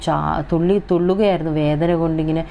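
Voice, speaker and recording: A woman's voice: deep voice, fairly even intonation, gravelly, dark tone, slight background noise. Malayali woman teacher explaining Hindi. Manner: reads Hindi lines slowly, then explains each one.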